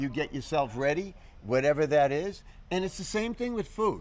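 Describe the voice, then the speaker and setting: Using a normal speaking voice, a man talks at a moderate pace with a fairly high pitch. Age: 60s. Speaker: gym owner. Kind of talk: interview.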